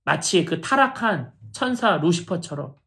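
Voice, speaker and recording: A woman's voice: lowish voice, big pitch swings, unhurried, a bit bright. Woman pastor, middle-aged, earnest sermon, emphatic, talks straight to the congregation.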